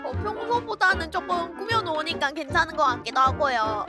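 A woman's voice: very high voice, brisk, over loud music. A woman bantering as a virtual YouTuber on a livestream, with a cute anime-streamer voice and a playfully teasing manner.

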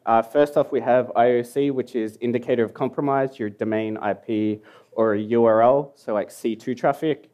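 A man's voice: mid-range voice, steady tone, normal speed, a little mellow. A young Australian man with an Australian accent, giving a casual, joking conference talk that mumbles at times in a hall. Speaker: security conference speaker.

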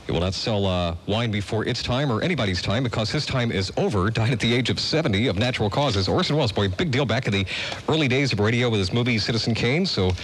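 A man's voice: medium pitch, lively intonation, quick pace, fairly bright tone, a little hiss or hum. A young man announcing as a wry, irreverent 1980s pop radio DJ, close on a studio microphone. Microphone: close studio broadcast microphone.

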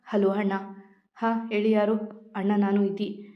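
A distressed young wife speaks softly and pleadingly, close to tears, as a woman narrating a storybook puts her on. The voice sits in a middle pitch, and the audio has a slightly dull, lo-fi quality. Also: flat delivery, measured pace, roomy sound, natural voice. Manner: pleading, soft.

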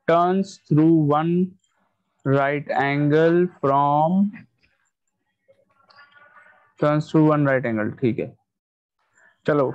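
South asian guy teaching maths on a video call, kinda high voice, hindi-english mix, dull lo-fi sound. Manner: mixes Hindi and English, checking in with pupils with short questions. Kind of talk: online class lesson, addressing pupils. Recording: dull lo-fi online call audio.

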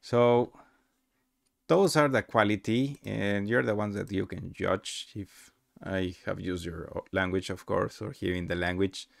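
Low, gravelly man presenting a demo. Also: fairly even intonation, a little slow, no room sound, clean studio sound. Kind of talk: casual screen-recorded tutorial narration.

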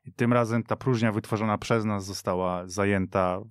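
A man's voice: fairly low pitch, fairly even intonation, normal speed, dry recording, clean studio sound. A man giving discursive, thoughtful, unscripted commentary as a panelist in a sports discussion. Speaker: podcast panelist.

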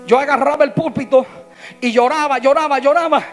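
A male pastor preaching an impassioned sermon, swinging from shouted lines to hushed, tearful tones. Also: very high-pitched, steady tone, brisk, faint music behind.

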